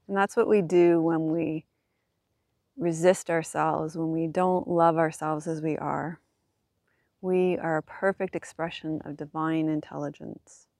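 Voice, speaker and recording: A woman guiding a yin yoga class as the teacher, speaking gently and soothingly in measured phrases with pauses. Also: lowish voice, no echo. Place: outdoors in a regional park.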